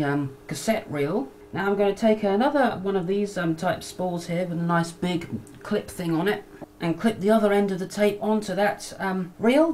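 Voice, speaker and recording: A woman giving a casual hands-on demonstration with a hesitant, halting delivery, picked up on a camcorder microphone. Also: mid-range voice, darkish tone. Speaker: hobbyist video maker, demonstrator. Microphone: camcorder microphone near the bench. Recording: noisy amateur camcorder sound.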